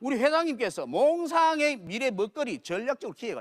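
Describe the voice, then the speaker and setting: On a very clean recording with a silent background, a man talks at a fairly quick pace in an extremely high pitch with very wide pitch swings. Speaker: company advisor giving product presentation. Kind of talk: product presentation lecture. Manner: animated.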